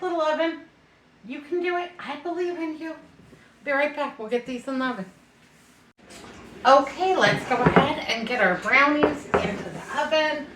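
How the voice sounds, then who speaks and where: A woman's voice: high voice, a bit bright. Chatty, folksy woman in an echoey kitchen. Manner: chatty, folksy, anecdotal, repeats herself. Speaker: home baking video host. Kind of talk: casual rambling chat to viewers while cooking. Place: indoors, home kitchen. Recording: echoey room, distant mic, faint noise.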